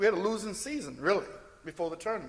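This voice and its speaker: A man with a Kentucky accent, plus audible room echo. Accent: southern US (Kentucky). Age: 70s. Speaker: church minister and former basketball player giving a eulogy. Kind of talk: memorial tribute speech. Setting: church memorial service. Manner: conversational, some hesitations.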